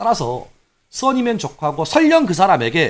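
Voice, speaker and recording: Very wide swings in pitch run through everything this man says. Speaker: law lecturer. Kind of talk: lecture. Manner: casual, conversational with filler.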